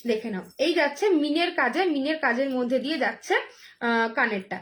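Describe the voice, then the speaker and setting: Woman, hoarse, high voice, live jewellery sales pitch, repetitive, filler-heavy. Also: expressive, a bit bright. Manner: repetitive, chatty, drawn-out phrasing with many fillers. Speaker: jewellery seller on a live stream.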